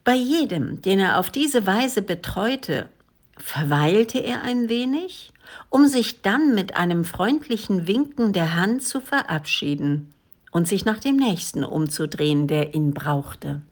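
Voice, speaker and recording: A woman narrating a story as an audiobook, soft and measured, sometimes dropping into near-whispers. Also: medium pitch, expressive. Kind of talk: audiobook reading.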